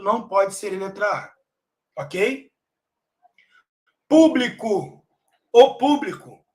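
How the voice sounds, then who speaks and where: Slow, emphatic Brazilian grammar teacher. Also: male voice, high voice. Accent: Brazilian Portuguese. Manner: didactic, stresses key words loudly, checks in with "ok?" and "né?". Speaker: Portuguese teacher. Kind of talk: online exam-prep grammar lesson.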